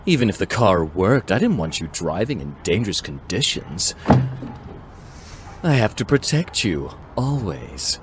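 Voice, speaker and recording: Romance comic boyfriend, male actor: American, deep, unhurried, protective, loud street noise behind. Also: big pitch swings. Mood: tender. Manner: tender, soothing. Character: protective, smooth-talking young boyfriend. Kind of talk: romantic comic dub acting.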